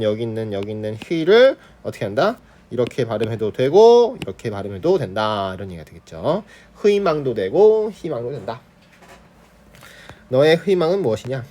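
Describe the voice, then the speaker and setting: Lively-voiced Korean male teacher. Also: mid-range voice. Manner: explains pronunciation with many "그죠?" check-ins, demonstrating sounds. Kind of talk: online Korean grammar lesson.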